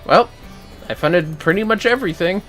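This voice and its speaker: A man's voice: sits high, moderate pace, fairly bright tone, soft background music. A man giving casual, sweary and reactive commentary while livestreaming a video game.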